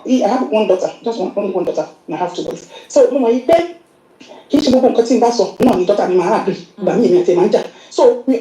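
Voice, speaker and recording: A recorded voice message from a middle-aged Yoruba-accented woman, played back on the show. She talks earnestly and briskly, slipping English into her words. Her tone is deep and mellow, and the room around her echoes. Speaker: caller sending a voice note. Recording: roomy voice message.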